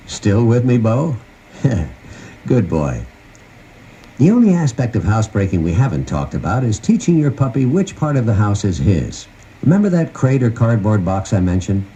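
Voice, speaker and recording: A mellow, warm-voiced man narrates an instructional guide in a folksy, conversational way. His delivery is lively and varied in pitch, as if chatting with the listener. It comes from a 1990 cassette tape with faint noise underneath. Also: dull audio. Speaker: host of a puppy training guide tape.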